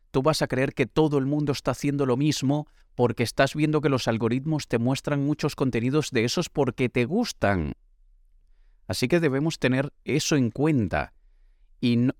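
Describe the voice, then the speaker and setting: A man's voice: fairly low pitch, no echo, clean studio sound. Man with a projected, emphatic voice. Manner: projected, emphatic announcer-style delivery. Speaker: podcast host and author. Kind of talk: motivational monologue. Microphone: studio microphone.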